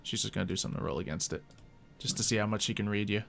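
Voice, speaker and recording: A man's voice: fairly low pitch, rapid-fire, vocal fry, fairly bright tone, soft background music. A man acting as game master, narrating a tabletop roleplay in an easygoing, conversational way.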